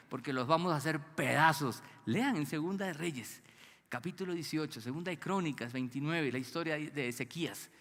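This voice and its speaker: A man's voice: fairly high pitch, bright, forceful tone, long reverb tail. A man preaching a sermon as pastor, asking the congregation to call out the missing words. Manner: asks the congregation to fill in words. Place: church hall.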